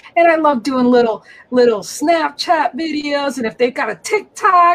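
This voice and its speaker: Over noticeable background noise, a woman with a high pitch speaks at a moderate pace with lively intonation. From New York. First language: Spanish. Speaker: abuse survivor and show host. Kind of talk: interview. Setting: video call. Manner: rambling, animated.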